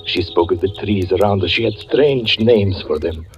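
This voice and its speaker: A man with a low voice narrates in a brooding, measured way, telling his story as a fortune teller. The old radio broadcast sounds dull, with clear music underneath him. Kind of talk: 1940s radio acting.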